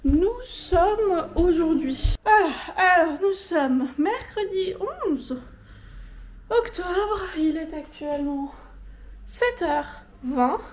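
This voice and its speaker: High-voiced, sniffly young woman vlogging. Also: lively intonation, drawn-out words, slight background noise. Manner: chatty, with frequent hesitant fillers. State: sniffly with a cold and tired. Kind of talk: casual vlog chat to camera. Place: at home in her apartment.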